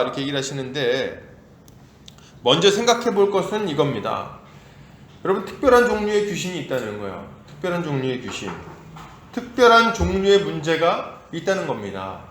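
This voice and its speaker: Male pastor, lively sermon, higher voice, echoey church room, faint ambience. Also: slight background noise. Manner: animated, conversational preaching with acted-out quotes. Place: church sanctuary.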